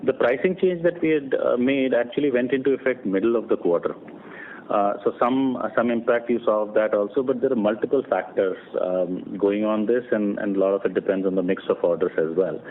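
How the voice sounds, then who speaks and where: A man's voice: lowish voice, a little fast. Man on a noisy, narrow phone line. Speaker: company executive answering analysts' questions. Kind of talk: earnings call question-and-answer, unscripted. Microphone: conference phone call.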